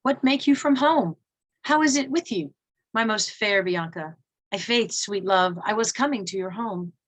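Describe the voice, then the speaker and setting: A woman reading the part of a courteous, disgraced young gentleman officer, formal and earnest in Shakespearean verse. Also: mid-range voice, normal speed, natural voice. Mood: courteous, surprised.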